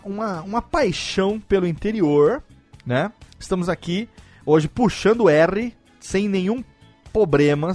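Um homem apresentando um podcast em conversa descontraída, falando de forma solta, repetindo palavras e rindo com frequência. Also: male voice, on the high side. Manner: rambling, repeats words, laughs often. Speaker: podcast host. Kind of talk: casual podcast chat.

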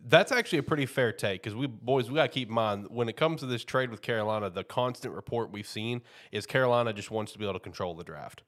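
A man's voice: medium pitch, fast, hardly any pauses, fairly bright tone. A man hosting a casual sports podcast, talking loosely with lots of fillers and frequent laughs. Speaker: podcast host.

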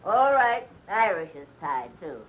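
A woman's voice: mid-range voice, very animated, a little slow. A woman playing a peppery, bossy old grandmother in a radio adventure, scolding in a haughty, prim way. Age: older. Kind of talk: 1950s radio comedy-adventure acting. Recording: muffled, noisy 1950s radio recording.

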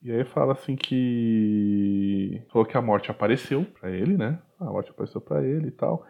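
A Brazilian man chats casually on a podcast, retelling a story in loose, rambling bursts. His pitch sits in the middle, and the audio sounds a little dull and lo-fi. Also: normal speed, creaky, slight background noise. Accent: Brazilian Portuguese. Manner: rambling, with many restarts and acted quotes. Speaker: podcast co-host.

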